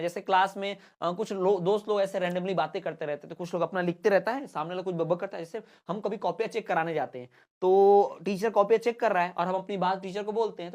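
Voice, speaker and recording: A male teacher from India gives an exam-prep lesson. He reads English lines slowly, explains them, and keeps reminding students to remember. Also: sits high. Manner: keeps saying "bhai" and "remember this".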